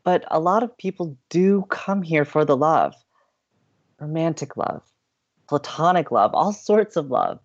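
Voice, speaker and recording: A man's voice: fairly high pitch, expressive, unhurried, dull audio. A young man playing an upbeat, romantic-minded college radio co-host in an audio drama, earnest, playful and teasing. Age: young adult. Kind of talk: scripted audio drama banter.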